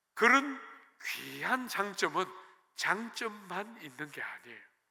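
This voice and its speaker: The man has a bright, sharp tone. His pitch sits high. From Gyeongsang region, South Korea. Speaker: pastor. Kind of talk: sermon.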